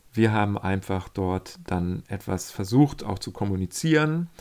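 A man telling a casual, reflective account of his pilgrimage, often pausing and searching for the right words. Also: on the low side, gravelly, darkish tone. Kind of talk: casual spoken travel account.

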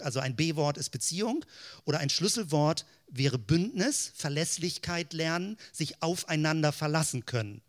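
Man with a fairly high voice, Christian teacher, theology talk, explains in keyword lists. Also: fairly bright tone. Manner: asks rhetorical questions.

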